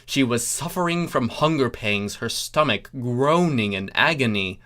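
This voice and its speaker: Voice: medium pitch, animated, unhurried, fairly bright tone. A story narrator reading comic fiction aloud in a theatrical, mock-pompous manner, breaking off for asides.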